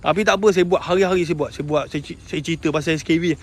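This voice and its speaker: A man's voice: fairly high pitch, fairly even intonation, quick pace. A man with a Malaysian Malay accent giving an emotional motivational talk about his own struggles, often calling out to his listeners and mixing in English words. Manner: emotional storytelling, addresses listeners as tuan-tuan, mixes in English words. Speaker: sales agent sharing his story.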